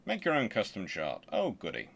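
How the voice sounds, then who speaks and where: A man hosting a history channel, explaining informally and thinking aloud in a halting, conversational way. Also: on the low side, huge pitch swings, gravelly, a bit bright, slight background noise. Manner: conversational, halting, muttering to himself while working.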